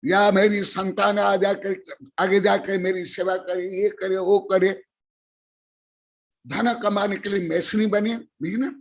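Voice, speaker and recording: High-voiced, slow-paced man preaching. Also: little pitch movement. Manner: scolding, questioning the audience, bursts of loud emphasis. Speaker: Jain monk teaching scripture. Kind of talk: sermon to lay listeners.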